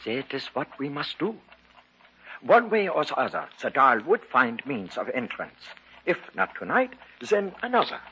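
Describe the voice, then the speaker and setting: A grave occult doctor. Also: male voice, mid-range voice, very animated, bright, forceful tone, a little hiss or hum. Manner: formal, measured, authoritative. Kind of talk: 1950s radio drama acting. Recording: dull old radio broadcast.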